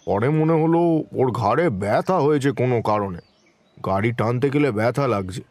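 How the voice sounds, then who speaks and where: An actor playing a glum, deferential village horse-cart driver in an audio horror drama. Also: male voice, mid-range voice, lively intonation, normal speed, a little mellow, no echo, close to an everyday voice. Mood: glum, apologetic. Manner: deferential, plaintive.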